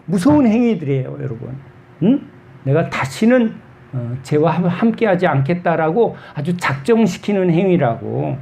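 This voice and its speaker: Man preaching a sermon in a mellow voice. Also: a little high. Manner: conversational preaching with rhetorical questions to the congregation. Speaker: pastor.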